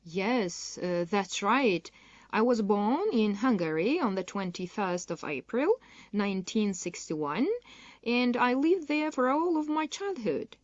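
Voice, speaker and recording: A woman playing a dancer interviewed for a magazine in a scripted listening-exam dialogue, speaking in a clear, measured way. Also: medium pitch, lively intonation, dry recording, dull audio. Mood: polite. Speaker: interviewee in a textbook listening recording.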